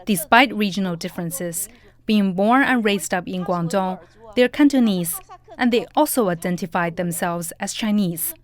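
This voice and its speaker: Steady woman voicing an English translation. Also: mid-range voice, moderate pace. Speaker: interpreter voice-over.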